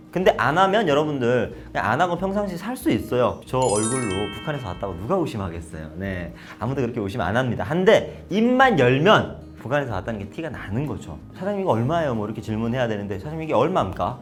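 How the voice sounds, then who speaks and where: A young man from North Korea talking casually to camera, telling stories with acted-out quotes. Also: medium pitch. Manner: lively storytelling with acted-out quotes. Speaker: vlogger.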